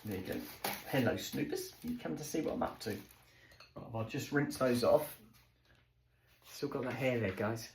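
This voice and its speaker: A man's voice: medium pitch, unhurried, pauses often, roomy sound, a little hiss or hum. A man chatting to his dog and his viewers while he prepares food in his home kitchen. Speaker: vlogger. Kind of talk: casual running commentary while doing kitchen chores. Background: dishes and kitchen clatter, a fridge gurgling.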